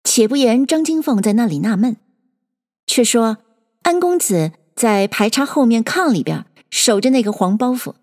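A woman storyteller reading a classic novel aloud in an expressive, measured way. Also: a little high, in a large hall.

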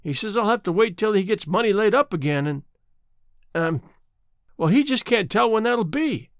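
A man voicing a gentle old mountain widow. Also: high-pitched, lively intonation, normal speed, no echo, studio quality, voice pushed up. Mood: plaintive. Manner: rural dialect, homely grammar; apologetic, wistful.

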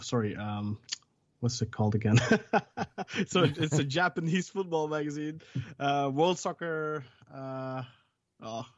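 A man from Belgium, a football journalist guest, answering in a halting way with many fillers and restarts. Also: a little high, no room sound, highs cut off. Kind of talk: casual podcast interview.

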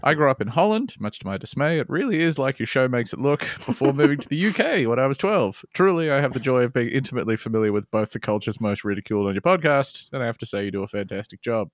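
A man's voice: mid-range voice, animated, quick pace, few pauses, no echo. A man co-hosting a comedy podcast, reading listener mail aloud with dry asides and frequent laughs. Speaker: podcast co-host.

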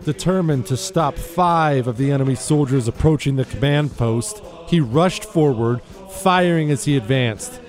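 A man's voice: medium pitch, unhurried, few pauses, darkish tone, soft background music. A man hosting a talk radio show in a conversational monologue, folksy and plain-spoken, addressing listeners directly. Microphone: close studio microphone.

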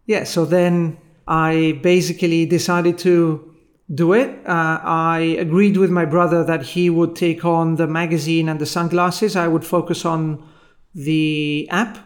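A middle-aged man with an Italian accent, a founder telling his story as an interview guest in a measured, reflective way with frequent pauses. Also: a little high, level tone. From Italy. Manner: measured and reflective, pauses often with filler sounds.

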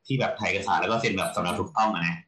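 A man co-hosting a casual podcast, explaining building permit rules with many pauses and fillers. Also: deep voice, fairly even intonation, sharp tone. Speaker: podcast co-host, architect.

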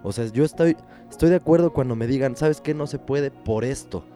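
A man's voice: mid-range voice, fairly quick, dark tone, faint music behind. A man with a Mexican accent, telling a story in a casual chat, swearing a lot and sounding exasperated. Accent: Mexican Spanish.

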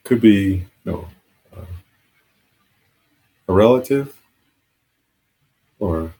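A man leading a guided meditation as a teacher, giving gentle, halting, unscripted instructions with long pauses. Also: fairly low pitch, lively intonation, husky, rough recording.

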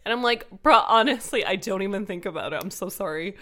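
A woman's voice: mid-range voice, animated, fast talker, pushed and bright. A woman in her twenties from the Middle East, a podcast guest who chats in a bubbly way with many ums and laughs. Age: 20s. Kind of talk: casual interview chat.

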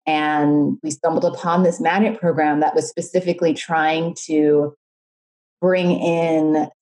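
Young woman guest, low and mellow, chatty storyteller who laughs often. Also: steady tone, measured pace. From Jamaica and Florida. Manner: rambling storytelling with frequent laughs. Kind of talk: casual interview.

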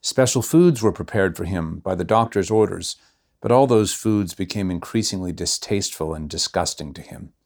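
A man reading a classic novella aloud in measured, unhurried narration. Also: deep voice, a little mellow. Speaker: reader. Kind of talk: audiobook narration.

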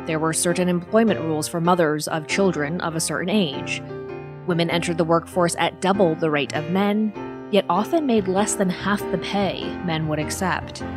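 A woman reading scripted documentary narration in a measured, even way. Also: lowish voice. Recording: narration over music.

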